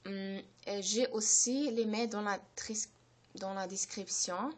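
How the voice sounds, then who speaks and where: A woman's voice: medium pitch, fairly even intonation, slow pace. A woman whose first language is German, hosting a language-learning channel and explaining in French, hesitant and full of fillers and restarts. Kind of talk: unscripted explanation to camera.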